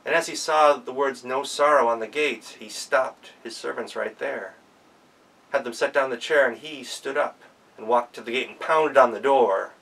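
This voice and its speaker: A man's voice: medium pitch, normal speed, gravelly, a bit bright. Male folktale storyteller, recorded at a distance. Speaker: professional storyteller. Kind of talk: oral folktale storytelling, performed live.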